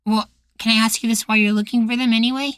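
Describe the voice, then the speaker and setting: A woman's voice: on the high side, fairly even intonation, fast talker, clear, resonant tone, no room sound, studio quality, lightly acted. A woman playing a meek, sweet young boywife in a futuristic ASMR roleplay, hesitant and full of trailing questions. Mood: hesitant, curious. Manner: hesitant, soft-spoken pleading, trailing questions.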